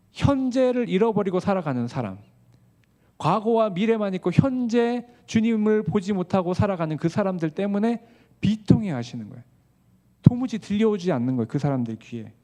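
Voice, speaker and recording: A male pastor preaching a sermon, asking the congregation questions and swinging between hushed asides and raised, emphatic passages. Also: high-pitched, big pitch swings, normal speed.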